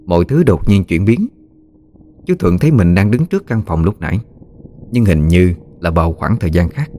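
A man narrating a scripted ghost story in a steady storytelling manner. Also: deep voice, normal speed, a little hiss or hum.

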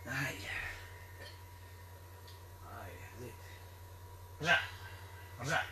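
A man with a Moroccan Arabic accent, performing an exorcism ritual in a stern, repetitive, commanding way that sometimes turns to shouting. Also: mid-range voice, animated, slow. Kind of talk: ritual commands to a possessed person. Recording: echoey room, distant mic, noisy.

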